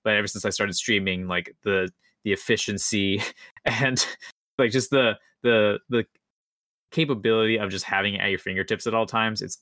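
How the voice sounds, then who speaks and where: A man's voice: lowish voice, steady tone, moderate pace, pushed and bright, no room sound, studio quality. A man co-hosting a podcast, chatting casually in an informal, rambling way. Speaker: podcast co-host.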